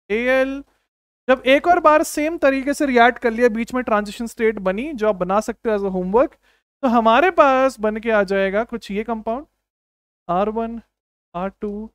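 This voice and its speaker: High-voiced energetic male chemistry tutor. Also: a little slow, pauses often, clear, resonant tone, no room sound. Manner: energetic, keeps asking the class rhetorical questions; repeats short commands like "don't write, understand". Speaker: chemistry teacher. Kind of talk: exam-coaching lecture.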